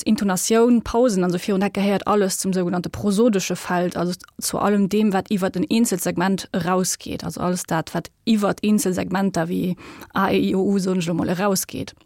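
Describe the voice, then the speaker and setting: Young woman, Luxembourgish accent, academic guest; measured, filler-heavy explaining, mid pitch, close dry studio sound. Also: steady tone, darkish tone, dry recording. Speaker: linguist guest. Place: radio studio.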